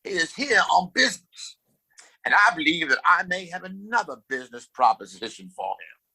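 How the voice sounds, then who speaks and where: A man's voice: a little high, big pitch swings, normal speed, bright, forceful tone, breathy edge, heavily acted, low-quality recording. A man playing a pompous, scheming Old West town boss in an audio play, speaking in a grandiose, commanding, wordy way.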